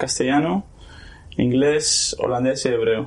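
With noticeable noise behind the voice, the words come at a very slow pace. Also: man. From Netherlands. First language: Dutch (speaking Spanish). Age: 20s. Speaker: social media manager for a football club. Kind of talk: interview. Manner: halting.

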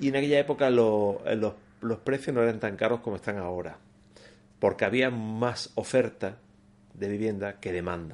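A man with a plain, everyday voice speaks at a moderate pace and medium pitch. His pitch varies in an ordinary way against a quiet background. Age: 50s. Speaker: municipal housing official. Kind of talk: interview. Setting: office.

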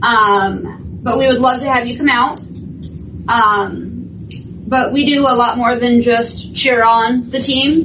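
Amid audible room echo and noticeable background noise, a woman with an American accent speaks at a very slow pace and high pitch, her intonation monotone and flat. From US Midwest, Des Moines, Iowa. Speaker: soccer supporters group leader. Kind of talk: casual interview.

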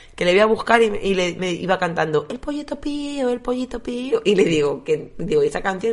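Background noise is noticeable. A woman talks with lively intonation. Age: 30s. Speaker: comedian. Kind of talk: casual chat.

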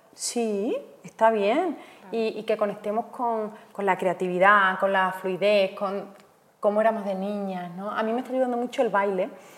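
This woman has an Extremaduran accent. Her pitch sits in the medium range. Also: moderate pace. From Spain, Extremadura (Almendralejo, Badajoz). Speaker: nutritionist. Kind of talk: casual interview chat. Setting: in a house.

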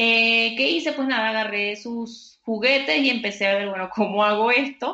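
Here a woman speaks with a Venezuelan accent. Her voice sits fairly high for a woman, with ordinary pitch variation. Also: moderate pace. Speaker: children's YouTube creator. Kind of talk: interview.

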